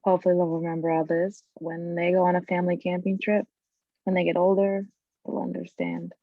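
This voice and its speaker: Thin, phone-like audio carries a woman acting as a steadfast miner's wife and mother in a drama table read. Her voice is fairly low and creaky, with a plucky, sure manner. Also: flat delivery, a little fast, no room sound. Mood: reassuring.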